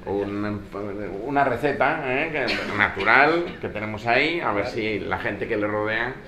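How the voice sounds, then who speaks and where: A man moderating a discussion in an informal, halting, hesitant way. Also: lowish voice, expressive, a crowd in the background. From not from Mexico. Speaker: host, moderator. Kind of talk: informal closing remarks to an audience. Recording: echoey room with audience noise.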